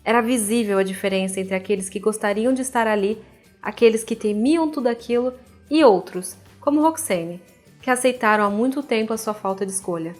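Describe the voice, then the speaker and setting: A woman's voice: mid-range voice, fairly quick, a little mellow. A woman with a Brazilian Portuguese accent that pulls the R, teaching writing in an informal, candid way and reading from books. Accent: Brazilian Portuguese with a pulled R. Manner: informal, candid, addresses viewer directly. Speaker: host of a writing advice series, author. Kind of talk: didactic video talk with read-aloud book excerpts. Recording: music behind the voice. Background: music.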